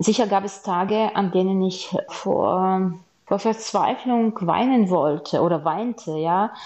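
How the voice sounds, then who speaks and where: At a very slow pace, a woman talks with a dark, mellow tone, medium pitch and ordinary pitch variation. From Ukraine, Odesa. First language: Ukrainian or Russian (speaking German). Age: 40s. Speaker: journalist and teacher. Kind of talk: interview. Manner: halting.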